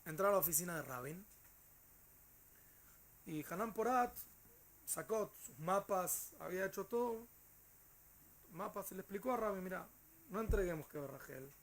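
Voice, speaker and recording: A male teacher with a Rioplatense Spanish accent, telling a story to his class in an animated way with hesitant fillers. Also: high-pitched, moderate pace, long pauses.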